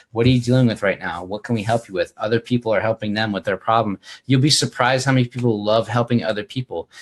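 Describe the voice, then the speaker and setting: A man with an American accent at medium pitch, very fast and with hardly any pauses, in a dry, close sound with no echo. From Utah. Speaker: business coach. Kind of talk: webinar sales pitch. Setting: live webinar. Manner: animated.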